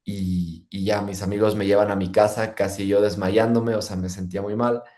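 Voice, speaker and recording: A young man giving a personal testimony, retelling events in a lively way and filling gaps with "pues". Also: fairly low pitch, moderate pace. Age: young adult. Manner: lively retelling, acts out dialogue, frequent fillers. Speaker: testimony speaker.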